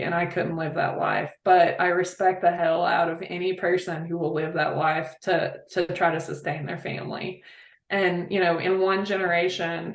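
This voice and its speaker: A woman's voice: fairly low pitch, echoey room. A woman from West Virginia, talking as a guest in a casual interview, heartfelt and rambling, with many fillers. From Appalachia, West Virginia.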